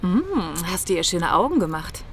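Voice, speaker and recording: Actress as dry-witted woman, lowish voice. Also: animated, moderate pace, a bit bright. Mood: casual, teasing. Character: Pam, secretive, dry-witted woman hospital worker. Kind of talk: German audio drama acting. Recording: clear background noise.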